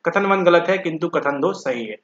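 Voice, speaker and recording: A man's voice: a little high, lively intonation, moderate pace, a bit bright. A man teaching as he walks students through exam questions, speaking to them directly and repeating words for emphasis. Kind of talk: exam question walkthrough lecture. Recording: echoey room, dull lo-fi sound.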